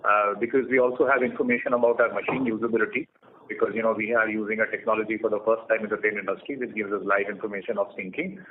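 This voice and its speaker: A man with an Indian accent answering questions as a company executive on an earnings call, explaining in a measured way. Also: fairly low pitch, flat delivery. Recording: tinny phone line with clear noise.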